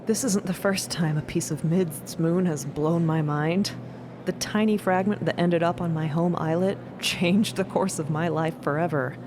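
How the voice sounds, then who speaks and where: A woman plays an earnest male scientist in a fiction podcast. The voice sits a little low and sounds reflective and heartfelt, with clear ambient noise underneath. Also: measured pace, close to an everyday voice. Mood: moved, reflective. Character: earnest, wistful male scientist moved by exploration.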